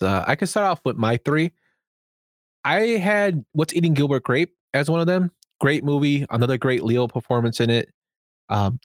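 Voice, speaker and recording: A man co-hosting a podcast, reading out film credits and then chatting about movies in a relaxed way. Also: mid-range voice, dry recording, studio quality. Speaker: podcast co-host. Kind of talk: casual movie chat.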